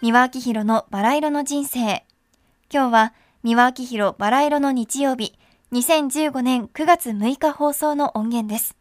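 A woman's voice: high voice, a little slow, no echo, studio quality, faint music behind. A woman reading a scripted programme announcement.

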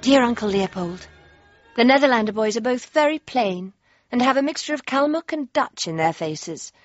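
A young actress playing an earnest, spirited princess, with a crisp, refined way of speaking. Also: female voice, fairly high pitch, animated, normal speed. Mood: reflective. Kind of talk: period drama acting and diary narration. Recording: dull dry lo-fi with faint music.

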